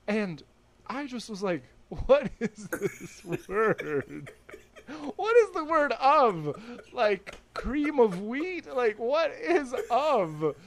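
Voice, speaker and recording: Speaking very slowly, a young woman with a fairly high voice and big swings in pitch shares stories on the podcast she co-hosts. The talk is casual and full of laughter, with slight background noise.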